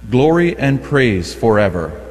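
A man's voice: mid-range voice, sing-song, unhurried, a little mellow. A man formally reading scripture and a canticle as lector in a large, echoing church. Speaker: lector at Mass. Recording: long echoing church reverb.

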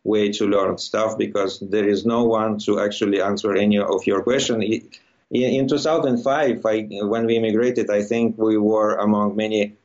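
The recording is dull and lo-fi, carrying the low voice of a middle-aged man with a Russian accent. He is a guest in an interview, talking conversationally. His delivery is halting as he feels his way toward the right words. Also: fairly even intonation, darkish tone. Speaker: interview guest, immigrant to Quebec. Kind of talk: conversational personal account in an interview.

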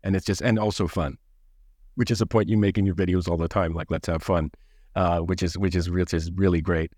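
A man's voice: sits low, steady tone, a little fast, darkish tone, no echo, studio quality. A man hosting a podcast interview, chatty and full of "you know" and "sort of". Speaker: podcast host.

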